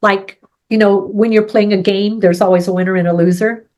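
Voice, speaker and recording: A woman's voice: mid-range voice, fairly even intonation, moderate pace, darkish tone. A middle-aged woman with a head cold co-hosting a casual business chat, explaining her points with examples and often asking "right?". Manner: explains with sports and farming examples, asks "right?". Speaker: co-host.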